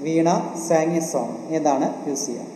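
Male exam coach with a Malayali accent, slightly high voice, drilling rules by repetition; roomy reverb. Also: slow, mellow. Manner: repetitive, asks questions and answers them himself. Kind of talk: online grammar lesson. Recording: echoey room with faint noise.

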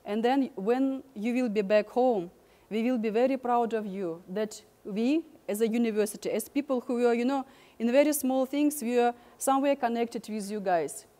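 A woman's voice: a little high, normal speed, warm tone. A middle-aged woman giving an informal, encouraging, reassuring speech to students. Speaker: university staff member addressing students. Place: large library hall full of students. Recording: long reverb in large room.

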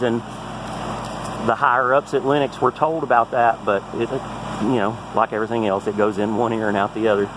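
A man's voice: medium pitch, background noise. A man, an HVAC technician, walks through a repair tutorial outdoors by a heat pump in a plain-spoken, practical way, filmed on a phone held close.

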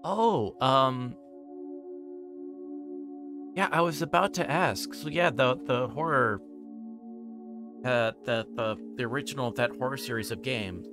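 A man livestreaming a visual novel, moving between quiet reading aloud and halting, casual chat. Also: medium pitch, over music. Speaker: livestreamer playing games.

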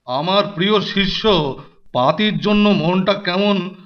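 A man voicing a greedy, irritable holy man in a cartoon, theatrical with drawn-out exclamations. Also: high-pitched, highs cut off. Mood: grumpy, wistful. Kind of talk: cartoon voice acting.

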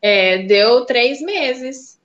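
A woman guest telling her own story in a casual chat, animated and acting out the voices of people she quotes, on a dull lo-fi recording. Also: fairly high pitch, drawn-out words. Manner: animated, acts out quoted dialogue. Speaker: interview guest sharing her fertility story.

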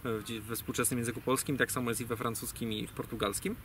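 Speaking quickly in a mid-range voice with a level tone, this guest speaker on language origins wanders off on tangents, using lots of fillers and correcting himself as he goes. The mic is distant and there's faint background noise.

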